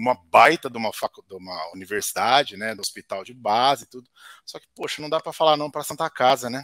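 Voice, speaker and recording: A man's medium-pitched voice with a bright, sharp tone, lively intonation, big swings in loudness and a fairly quick pace, in a dry, close sound with no echo on a very clean recording with a silent background. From northern São Paulo state, Barretos. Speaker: pulmonologist. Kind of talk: podcast interview.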